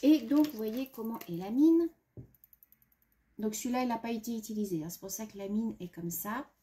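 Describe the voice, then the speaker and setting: A woman's voice: a little high, normal speed, warm tone. A woman vlogger chatting casually about art supplies, sniffling from a runny nose and hesitating often. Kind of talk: casual chat.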